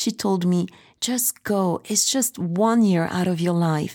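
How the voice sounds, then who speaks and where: On a very clean recording with a silent background, a woman with a slight French accent speaks in a dark, mellow tone with ordinary pitch variation. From France, of Senegalese West African parentage. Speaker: podcast host. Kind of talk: inspirational monologue with prayer. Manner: enthusiastic.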